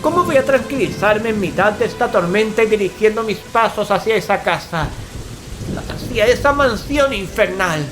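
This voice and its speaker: A man's voice: high voice, animated, moderate pace, poor audio. An actor from playing a fearful male paranormal investigator, telling horror in an anxious, ornate, dramatic way. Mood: panicked. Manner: anxious, ornate, dread-laden delivery. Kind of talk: dramatic first-person horror narration and radio-play dialogue. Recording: dramatic music, rain and thunder behind. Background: music, rain, thunder.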